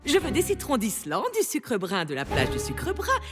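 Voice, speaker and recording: A woman's voice: mid-range voice, wildly swooping pitch, normal speed. A woman voicing a demanding, condescending VIP hostess in a French cartoon dub, haughty and mock-sweet, in a reverberant sound. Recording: long reverb, faint music behind.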